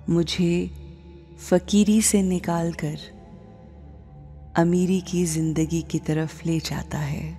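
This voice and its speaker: Very slow, soft-toned woman guiding meditation. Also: on the low side. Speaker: guided meditation leader. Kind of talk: slow devotional guided meditation. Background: background music.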